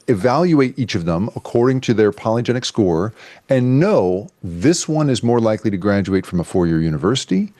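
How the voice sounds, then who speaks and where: A man, a guest journalist, telling a story in a casual interview, animated and halting with restarts and fillers. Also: medium pitch, no room sound.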